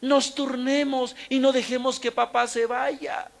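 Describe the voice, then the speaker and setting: A man's voice: extremely high pitch, level tone, unhurried, gravelly, pitched above the performer's own voice, heavily acted. A man voicing a desperate teenage girl who pleads. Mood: pleading. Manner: pleading, emotional quoting.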